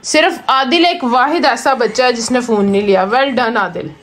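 A woman's voice: fairly high pitch, normal speed, a bit bright. Chatty woman vlogger at home. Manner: chatty, mixes in English phrases. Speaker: family vlogger. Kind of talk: casual vlog narration. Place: family home.

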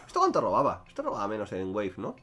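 Young male streamer, quick and lively, crude banter, faint music behind. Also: on the low side, slightly rough. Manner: crude, joking, talks to chat. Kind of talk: casual gameplay commentary.

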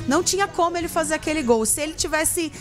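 Chatty high-voiced woman on radio. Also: fast talker, faint music behind. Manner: chatty, playful, addresses listeners as "gente". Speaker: radio sports co-host. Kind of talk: casual sports chat. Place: radio studio. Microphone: studio mic with headphones.

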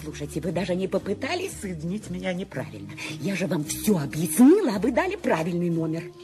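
An actress playing a bedridden, nervous invalid wife who grows insistent and frantic, in a 1970s radio play with music behind. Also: female voice, fairly low pitch, big pitch swings, a little fast. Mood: indignant. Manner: anxious, insistent, rising to panic. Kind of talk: 1970s radio drama acting.

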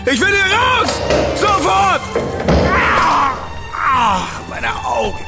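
A man's voice: very high-pitched, very animated, takes it slowly, vocal fry, loud music behind the voice, exaggerated voice. An actor playing a refined dandy writer in a radio play, haughty and indignant toward his captors. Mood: alarmed. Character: indignant refined male dandy writer, proud and sharp-tongued.

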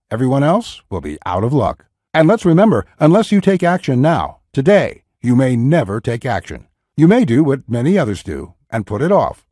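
Pushy male sales-pitch voice-over, dry. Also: mellow, no room sound. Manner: pushy, urgent salesman delivery.

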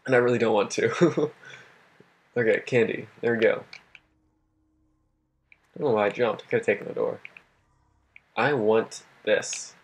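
A young man with a husky, worn voice that he is losing, giving casual gameplay commentary, swearing and talking to himself. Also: on the low side, measured pace, long pauses. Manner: swears a lot, laughs often, talks to himself. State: losing his voice. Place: home at night.

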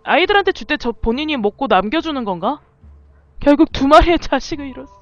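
A fast-talking woman with a high, expressive, fairly bright voice streams a video game, chatting casually to the animals on screen. The sound is lo-fi with no echo, and faint music runs behind her.

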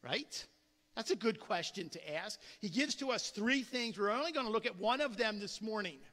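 A man's voice: sits high, lively intonation, normal speed, bright, forceful tone, long reverb tail. A male pastor giving a conversational sermon, often repeating words and acting out quoted voices. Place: church sanctuary.

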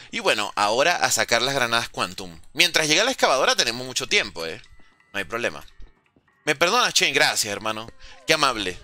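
Lively young man streaming, chatting with viewers. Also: medium pitch. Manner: chatty, jokey, hums and sings little tunes. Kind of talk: live gameplay commentary reading chat.

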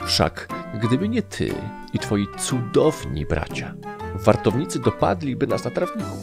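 A man's voice: medium pitch, wildly swooping pitch, measured pace, vocal fry, music in the background, pitched above the performer's own voice, exaggerated voice. A man voicing a cocky little male sprite, a confident and grandiose sweet-talker in an audiobook. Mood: wheedling flattery. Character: small male kobold-like sprite, cocky, scheming, sweet-talking. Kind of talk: audiobook character acting.

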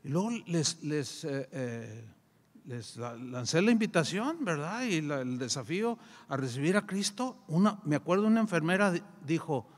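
A man with a Mexican accent preaching a sermon, telling a story with lively acted-out dialogue. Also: a little high, normal speed. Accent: Mexican Spanish. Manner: animated storyteller, acts out dialogue. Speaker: pastor. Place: church sanctuary. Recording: long church hall reverb.

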